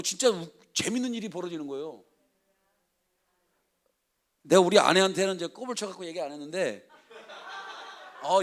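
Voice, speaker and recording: High-voiced, chatty preaching man. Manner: chatty and humorous, laughs often, acts out prayers and declarations. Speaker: guest pastor. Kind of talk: lively storytelling sermon.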